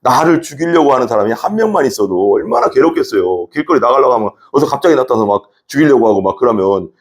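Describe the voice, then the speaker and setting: A man preaching a sermon as pastor, telling his story in an animated way. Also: fast. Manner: animated storytelling preacher, lively swings in pitch. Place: church.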